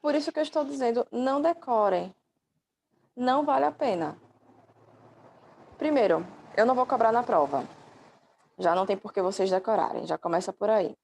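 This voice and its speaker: A woman's voice: fairly high pitch, lively intonation, normal speed, gravelly, long pauses, a little mellow, slight background noise. A woman teaching an online class through her laptop microphone, patiently explaining step by step and affectionately calling her students dear.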